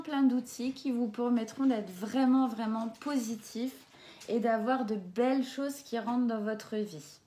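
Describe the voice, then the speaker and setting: French woman, oracle reader, mellow and a bit high, gentle and halting. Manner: gentle, hesitant, many fillers. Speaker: tarot and oracle card reader. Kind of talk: reading oracle card texts and commenting.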